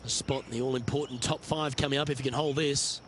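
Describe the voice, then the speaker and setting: A man playing a composed television golf commentator in a video game, making measured, brief remarks between shots. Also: mid-range voice, fairly even intonation, slight background noise, close to an everyday voice.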